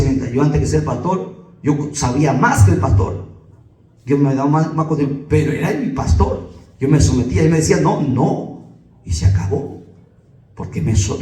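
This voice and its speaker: A pastor with a Peruvian Spanish accent, preaching emphatically to a congregation and firing off rhetorical questions. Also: male voice, medium pitch, dark tone, reverberant, far from the mic, rough recording.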